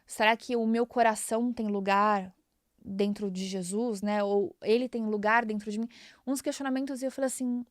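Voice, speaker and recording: A woman's voice: mid-range voice, steady tone, normal speed, no room sound, clean studio sound. A woman in her thirties with a Brazilian Portuguese accent, hosting a podcast and sharing a personal faith testimony in an earnest, emotional way, often repeating herself. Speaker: podcast host.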